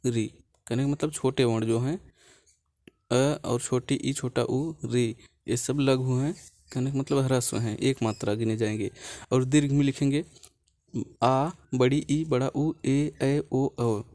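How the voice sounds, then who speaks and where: A man's voice: mid-range voice, mellow, no echo. A man teaching a lesson step by step in a patient way, repeating key points and checking in often. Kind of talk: explaining a lesson plan step by step.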